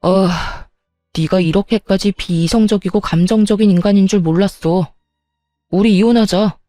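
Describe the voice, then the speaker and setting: A self-righteous young husband, as a woman narrator puts him on, cold and stubborn in a storybook reading. The voice stays mellow and dark-toned, with a faint music bed behind and a dry, close sound. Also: mid-range voice, moderate pace, no room sound, lightly acted.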